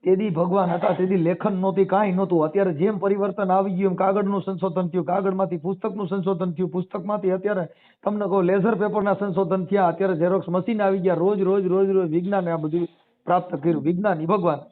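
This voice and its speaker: A man's voice: sits high, fairly even intonation, quick pace. A man with a Saurashtra Gujarati accent explains his views emphatically on a phone call, asking rhetorical questions in colloquial speech. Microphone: telephone. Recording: muffled narrow-band phone call recording.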